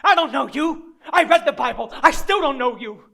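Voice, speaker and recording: Dramatic monologue: male actor as a self-loathing, grieving loser of a dad, very high strained pitch, bright forceful edge, streetwise and profane. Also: lively intonation, moderate pace, gravelly, heavily acted. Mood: bitter, angry. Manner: rambling, profane, streetwise, talking to an unseen child. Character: down-and-out grieving father, foul-mouthed, self-loathing, desperate loser.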